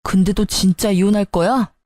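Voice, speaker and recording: A woman's voice: mid-range voice, fairly even intonation, normal speed, darkish tone, no room sound, studio quality, lightly acted. A woman voicing a defensive, self-justifying husband in a narrated family story, arguing and pleading with his wife.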